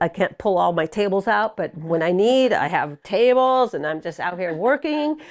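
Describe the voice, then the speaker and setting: Speaking at a moderate pace, a woman with an unremarkable speaking voice uses lively intonation at a medium pitch. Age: 60s. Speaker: co-op resident, costume designer. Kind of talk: casual chat.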